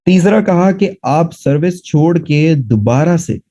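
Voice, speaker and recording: A man's voice: fairly high pitch, lively intonation, slow pace, mellow, poor audio. A man teaching a classroom lecture, explaining step by step and often checking that students follow. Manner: explanatory, asks students rhetorical check questions. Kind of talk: classroom lecture mixing Urdu and English.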